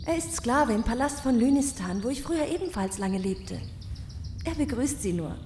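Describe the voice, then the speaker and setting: A woman playing a polite, patient lady-in-waiting in an audio drama, gently correcting and explaining. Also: a little high, animated, moderate pace, echoey room, a little hiss or hum, lightly acted. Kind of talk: German audio drama acting.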